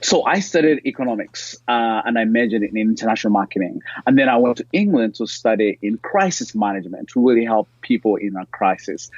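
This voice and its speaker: A man's voice: fairly low pitch, darkish tone, no echo, lo-fi sound. A man from Uganda, a podcast guest telling his life story earnestly, with frequent fillers and restarts.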